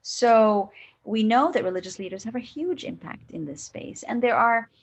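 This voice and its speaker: A woman answering as a guest expert on a virtual panel, deliberate and emphatic, building her points step by step. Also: fairly high pitch, expressive, slight background noise. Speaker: guest speaker answering questions. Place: online video call.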